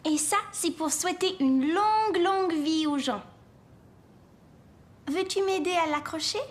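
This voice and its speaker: Very high-pitched friendly little girl. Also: measured pace. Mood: explaining. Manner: helpful, explaining things simply. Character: friendly, confident little girl, about six. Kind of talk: French-dubbed preschool cartoon acting.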